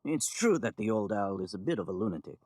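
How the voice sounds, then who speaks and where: A male tribal guide in a video game who speaks deadpan. His pitch still moves a fair amount, and the sound is dry and close. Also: fast, dry recording. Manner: deadpan, flat delivery.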